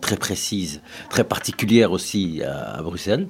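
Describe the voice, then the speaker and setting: Noticeable background noise sits under a man's voice, whose pitch varies in an ordinary way. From Brussels, Moroccan-Belgian family. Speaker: interviewee. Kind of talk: interview. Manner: halting, repeats words.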